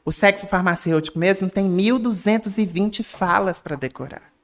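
Animated Brazilian woman. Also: mid-range voice, moderate pace. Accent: Brazilian Portuguese. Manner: animated, laughs often, acts out lines. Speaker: guest actress. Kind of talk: casual podcast chat.

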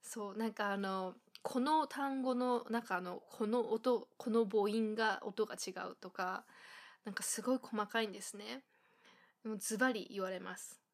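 Japanese woman chatting on her own podcast, lots of little fillers, easygoing mid-pitched voice. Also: normal speed. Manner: chatty, thinking aloud with many fillers. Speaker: podcast host. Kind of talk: casual solo podcast talk.

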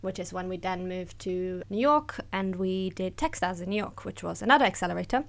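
A woman's voice: lowish voice, animated, creaky. A woman in her thirties with an Austrian accent, chatting openly and upbeat as a guest on an interview podcast. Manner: chatty and upbeat, quick asides with laughs. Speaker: guest, accelerator program director. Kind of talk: casual interview talk.

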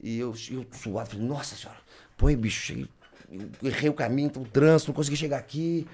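A man's voice: mid-range voice, fast, a little mellow, breathy edge. A Brazilian man, telling a story in casual chat and acting out the lines he quotes.

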